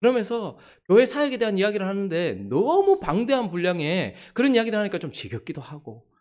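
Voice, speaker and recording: Animated male pastor telling a story. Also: high voice, fairly quick. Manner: animated storytelling, acting out the people he quotes. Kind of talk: sermon with a personal story. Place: church.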